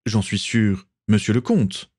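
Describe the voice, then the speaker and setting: A man's voice: lowish voice, a little slow, darkish tone, breathy edge. A male narrator voicing a self-righteous colonial governor with a lofty, lecturing manner.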